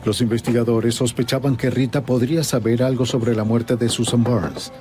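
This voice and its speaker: A man narrating a true-crime documentary in a measured, even storytelling manner. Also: mid-range voice, faint music behind.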